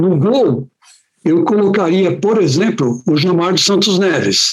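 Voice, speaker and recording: This man's intonation is lively. His voice sits at a high pitch. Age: 60s. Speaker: sports journalist. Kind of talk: casual chat.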